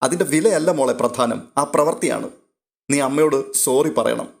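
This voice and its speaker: A man reading a story aloud and voicing a caring young woman who gently coaxes a younger girl. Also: mid-range voice, moderate pace, creaky, lightly acted. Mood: coaxing.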